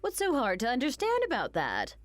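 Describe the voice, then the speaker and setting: A spiteful, money-hungry mother-in-law sneers and mocks, voiced by a woman. Her pitch swoops wildly from line to line as she delivers each insult. Faint music plays behind this animated story. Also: fairly quick. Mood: sneering. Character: cruel older mother-in-law, spiteful and greedy.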